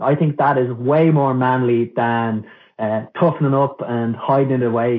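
This man has an Irish accent and a medium pitch. He speaks at a moderate pace. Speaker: psychedelic retreat co-founder, scientist. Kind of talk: casual interview. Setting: video call. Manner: halting with fillers.

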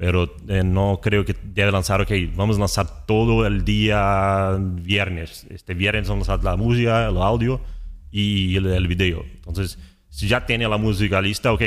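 A man speaks at a fairly low pitch with ordinary pitch variation and very even loudness. Room echo is audible. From Brazil. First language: Portuguese (speaking Spanish). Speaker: music distribution executive. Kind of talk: interview. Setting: studio. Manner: halting.

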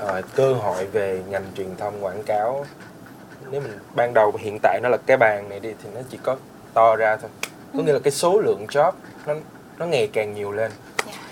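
A man with a fairly low pitch talks with ordinary pitch variation and long, frequent pauses. His loudness swings widely, and there is noticeable background noise. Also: moderate pace. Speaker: music video director. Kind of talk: interview answers, casual talk. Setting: livestream.

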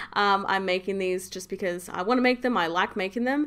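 A woman's medium-pitched voice moves along at a fairly quick pace, varying in pitch in an ordinary way. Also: very clean recording, silent background. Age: 20s. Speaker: podcast host. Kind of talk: casual monologue. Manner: hesitant, many fillers.

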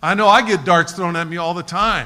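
The recording is very clean and the background silent. A man's raised, projected voice carries a bright, sharp tone. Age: 60s. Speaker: missionary. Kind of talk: sermon. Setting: church.

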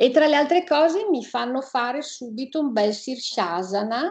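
With lively intonation and a moderate pace, a woman speaks against a quiet background. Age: 50s. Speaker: yoga teacher. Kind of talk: interview. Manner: halting, with frequent word repetitions.

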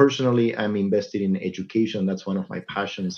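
A man with a Spanish accent, fairly low in pitch, at a fairly quick pace. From Argentina. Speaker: neurology professor. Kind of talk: interview.

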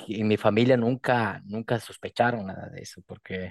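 A normal speaking voice with ordinary pitch variation comes through dry and close, with no echo, over a quiet background. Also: man. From Ecuador, small town. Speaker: interview guest. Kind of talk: personal testimony interview.

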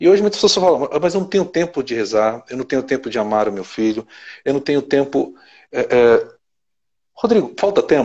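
A fairly high-pitched man speaks at a moderate pace. His pitch makes very wide swings. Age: 30s. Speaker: live stream host. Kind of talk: casual interview chat. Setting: online live stream. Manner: halting, repeats words.

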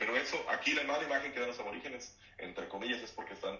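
A man talks at a very fast pace. Noticeable background noise and audible room echo fill the recording. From Mexico, Mérida (Yucatán). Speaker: Mexican migrant in Australia. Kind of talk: casual interview.

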